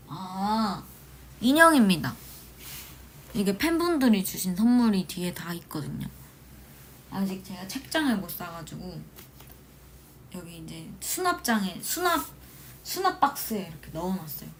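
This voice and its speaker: A young woman in her twenties, an idol hosting a casual livestream from a small room at home, chatting and telling animated stories. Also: medium pitch, slight background noise. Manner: chatty, animated storytelling with shouted quotes. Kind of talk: casual livestream chat reading comments.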